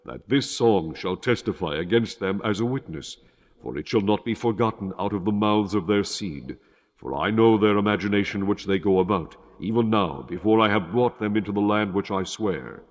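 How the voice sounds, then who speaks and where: A man narrating scripture from a script in a solemn, formal and measured manner. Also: lowish voice, animated. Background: music.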